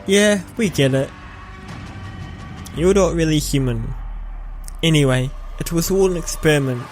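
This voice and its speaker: An earnest heroic defender of a threatened world, acted out by a man in an amateur audio drama. He speaks slowly and theatrically in a slightly raised male voice. Faint music plays behind him. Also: on the high side, natural voice. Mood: defensive.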